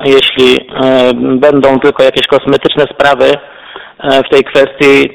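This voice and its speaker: A man speaks up at a council meeting in a gravelly, flat voice. He hesitates often, fills pauses with drawn-out sounds and corrects himself as he goes. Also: mid-range voice, low-quality recording. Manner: hesitant, many filler sounds, self-correcting. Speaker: city councillor. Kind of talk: halting council speech.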